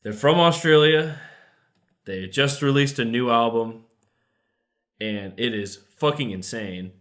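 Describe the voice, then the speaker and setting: A man's voice: mid-range voice, unhurried, fairly bright tone. A young man co-hosting a casual podcast chat, laid-back, swearing casually and saying dude. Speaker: podcast co-host.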